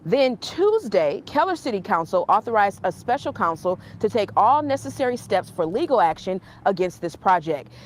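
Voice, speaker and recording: Lively-voiced female TV news reporter. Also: mid-range voice, moderate pace, hardly any pauses, slight background noise. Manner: crisp newscast delivery.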